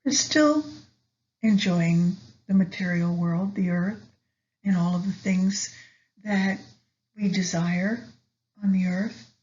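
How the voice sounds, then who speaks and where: A woman guides a meditation at a very slow pace, leaving long pauses between her soft phrases. Her delivery is soothing, and the recording is a little dull and lo-fi. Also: on the low side.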